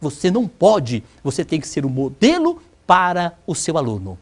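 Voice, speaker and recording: A woman's voice: low voice, huge pitch swings, moderate pace, darkish tone, husky. A woman with a Brazilian accent giving a recorded university lecture, teaching by rhetorical questions and emphatic repetition. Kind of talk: recorded distance-learning lecture.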